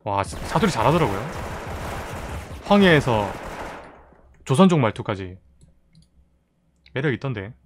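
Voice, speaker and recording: A man's voice: mid-range voice, sing-song, unhurried, pauses often, a little hiss or hum. A man with a Gyeongsang accent, streaming a shooter game live, chatting casually and thanking viewers from the chat. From South Korea, Busan.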